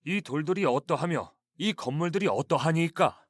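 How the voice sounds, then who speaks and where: A man's voice: a little high, animated, moderate pace, dry recording, clean studio sound. A man voicing a respectful scribe and disciples, speaking in a deferential, formal tone.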